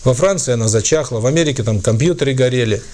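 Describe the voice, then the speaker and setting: A man's voice: medium pitch, racing, mellow. Hesitant man lecturing with many fillers. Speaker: spiritual lecturer and author. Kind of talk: lecture with audience questions.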